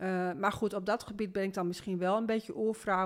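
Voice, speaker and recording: A woman's normal speaking voice at a medium pitch, moderate pace, and fairly even intonation. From northeastern Netherlands, Groningen. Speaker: children's coach. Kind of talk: casual interview.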